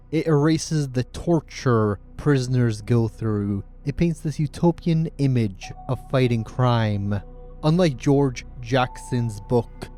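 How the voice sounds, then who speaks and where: Male essay narrator, relaxed mid-range voice, casual and sardonic, faint music bed. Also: medium pitch. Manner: opinionated, sarcastic, casual swearing. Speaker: video essayist, host. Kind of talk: scripted video essay narration. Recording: music playing under the voice. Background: background music.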